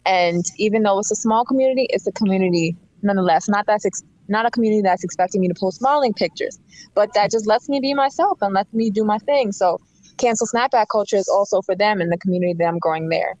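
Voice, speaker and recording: A woman's voice: mid-range voice, fast, a little mellow, no room sound, highs cut off. A woman in her late twenties, a podcast guest, speaking earnestly and from the heart in casual chat. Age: 20s.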